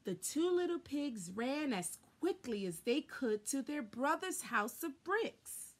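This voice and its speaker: A woman in her thirties reading a children's story aloud dramatically, with pauses and emphasis. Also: high-pitched, very animated. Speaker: storybook reader. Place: small furnished room at home, indoors.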